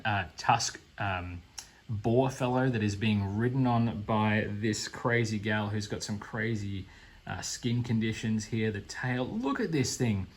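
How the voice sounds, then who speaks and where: A man's voice: medium pitch, a little hiss or hum. An Australian man gushing with enthusiasm as he unboxes a board game, speaking casually. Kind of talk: unboxing commentary.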